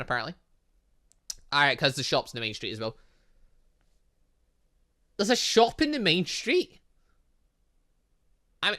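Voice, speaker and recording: A man's voice: on the high side, bright, forceful tone. A man giving casual, chatty gaming commentary, thinking aloud as he goes. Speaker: gaming channel host. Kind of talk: casual gaming commentary, reading visual novel dialogue aloud.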